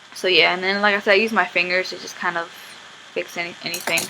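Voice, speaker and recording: A woman at a moderate pace with fairly even intonation, plus noticeable background noise. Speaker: beauty vlogger. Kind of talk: tutorial. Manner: halting, self-correcting; casual, rambling.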